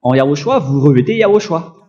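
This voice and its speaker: A man preaching a sermon, slow and emphatic with frequent hesitations and a slight cough. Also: fairly high pitch, animated, mellow, dull audio. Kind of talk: sermon teaching.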